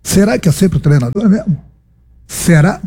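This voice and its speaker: A man's voice: sits high, lively intonation, moderate pace, dark tone, slightly rough. A Brazilian man, a football coach answering reporters at a press conference, emphatic and repeating his points with rhetorical questions. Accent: Brazilian Portuguese.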